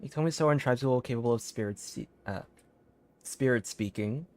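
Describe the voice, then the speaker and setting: A man's voice: medium pitch, normal speed. A man casually commentating on a live game stream and reading bits of on-screen text aloud. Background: game music.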